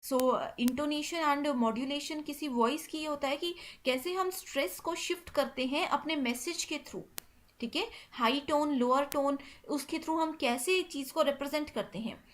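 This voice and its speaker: A woman's voice: high-pitched, unhurried, a little hiss or hum. A young woman teaching an online exam-prep lecture in Hindi mixed with English terms, checking in with "theek hai" after nearly every point. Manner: repeats "ठीक है" constantly, mixes English terms into Hindi.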